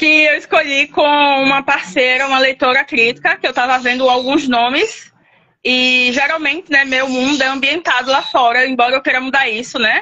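A woman with a high-pitched voice talks at a fairly quick pace. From Paraíba, northeast Brazil. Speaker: debut novelist. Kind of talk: casual interview. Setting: online live stream.

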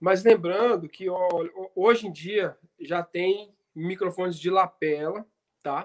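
The man's voice is high, with ordinary pitch variation, and he speaks at a very slow pace. The sound is dry and close, with no echo. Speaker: audio technician. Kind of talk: live stream interview.

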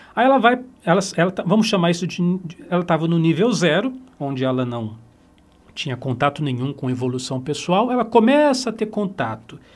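At a moderate pace, a man speaks at a high pitch, making very wide pitch swings. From interior of São Paulo state, Brazil (Marília). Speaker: podcaster and mentor. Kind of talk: solo podcast monologue. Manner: hesitant, with frequent repetitions.

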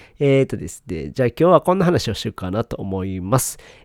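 On a very clean recording with a silent background and a dry, close sound with no echo, a man at medium pitch makes very wide pitch swings. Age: 40s. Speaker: podcast host. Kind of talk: casual monologue. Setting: solo recording. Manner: chatty, frequent laughter.

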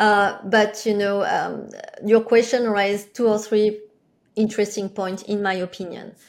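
A woman's fairly high, monotone, flat voice at a fairly slow pace, in a French accent. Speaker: marketing executive and lecturer. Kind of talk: interview conversation about marketing and AI.

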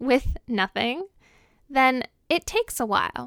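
An animated tone comes through in a very clean recording with a silent background and a dry, close sound with no echo. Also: woman. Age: 20s. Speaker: podcast host and actor. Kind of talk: motivational monologue. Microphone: new microphone, crisp audio.

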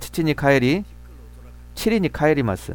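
Speaking with a Korean accent, a man uses a fairly high pitch, very wide pitch swings and a fairly slow pace. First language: Korean (speaking Japanese). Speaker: pastor. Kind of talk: sermon.

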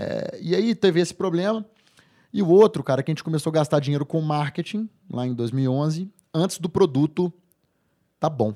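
Lively intonation broken by long, frequent pauses, in a dry, close sound with no echo. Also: man, fairly high pitch for a man. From Brazil, Minas Gerais (Governador Valadares). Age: 30s. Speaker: entrepreneur, company CEO. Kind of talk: interview. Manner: casual, fast, with many fillers.

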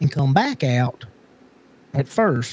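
A man speaks quietly and somewhat breathily, his fairly high voice dark and mellow in tone, with a dry, close sound and no echo. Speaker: podcast co-host. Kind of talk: casual chat. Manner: quiet on mic.

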